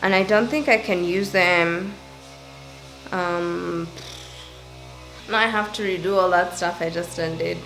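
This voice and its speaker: A woman's voice: on the low side, fairly even intonation, measured pace, pauses often, faint music behind, rough recording. Woman, young adult, casual vlog chat, rambling, thinking aloud. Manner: rambling, thinking out loud, repeats herself. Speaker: vlogger. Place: at home, indoors.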